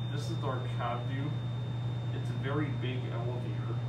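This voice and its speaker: At a moderate pace, the voice comes through audible room echo and loud background noise. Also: man. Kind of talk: casual commentary. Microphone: phone near.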